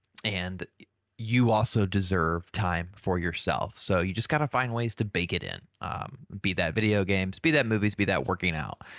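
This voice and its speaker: On a very clean recording with a silent background and a dry, close sound with no echo, a man talks at a moderate pace in a fairly low pitch, animated in tone with ordinary pitch variation. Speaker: podcast host and streamer. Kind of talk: casual chat. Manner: animated, joking.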